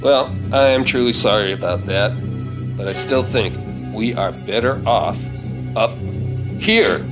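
A man's voice: fairly low pitch, measured pace, close to an everyday voice. A middle-aged man playing a tough, sarcastic, take-charge survivor with a blunt, folksy manner in a radio play. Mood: sarcastic, stubborn. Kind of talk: stage radio-play acting. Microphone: stand microphone on a stage. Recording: loud music under stage performance.

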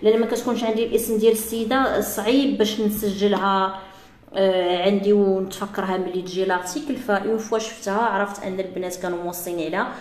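A woman with a Moroccan Arabic accent, chatting through a live sales pitch for jewelry to her female viewers. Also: steady tone, fast, darkish tone, echoey room. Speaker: jewelry seller.

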